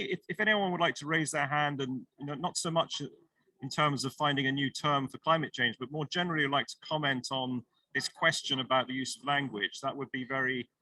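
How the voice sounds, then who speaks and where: A man's voice: medium pitch, pushed and bright, dry recording, rough recording. A man moderating an online panel discussion, encouraging and thinking aloud as he goes. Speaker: session moderator.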